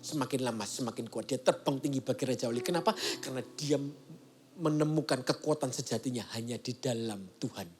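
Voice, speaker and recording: A man's voice: medium pitch, fairly quick, a little mellow. A male pastor giving a casual, conversational sermon and acting out the voices he quotes. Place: church service broadcast.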